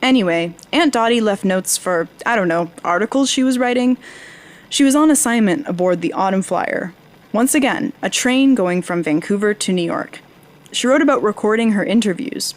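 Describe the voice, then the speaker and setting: An actress playing a wry, brash young would-be journalist in an audio drama, glib and sarcastic, tending to ramble. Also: female voice, medium pitch, close to an everyday voice. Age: young adult. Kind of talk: naturalistic audio drama acting.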